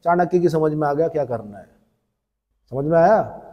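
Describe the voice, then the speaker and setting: High-voiced male teacher in echoey hall. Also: expressive, moderate pace, dull audio. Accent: Hindi, northern Indian. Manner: drills points with repeated questions; folksy storytelling asides. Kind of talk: classroom lecture.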